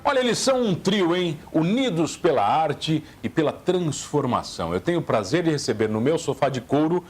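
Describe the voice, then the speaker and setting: A man's voice: a little high, sing-song, moderate pace, faint music behind. A male talk show host with a Southern Brazilian accent who teases his guests and asks joking questions. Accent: Southern Brazilian Portuguese. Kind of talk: casual talk show interview.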